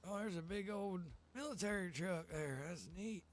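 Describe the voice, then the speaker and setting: Easygoing folksy man, fairly high voice. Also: expressive, moderate pace. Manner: folksy, easygoing, drawling phrases. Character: Pete, friendly folksy wandering survivor in zombie roleplay. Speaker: online roleplay game player. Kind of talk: in-character casual game chat.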